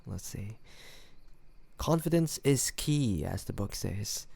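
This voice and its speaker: A man's voice: lowish voice, vocal fry, mellow, exaggerated voice. A man acting a cocky young student in an audio roleplay, teasing and mocking an academic rival. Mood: mocking, amused. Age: young adult.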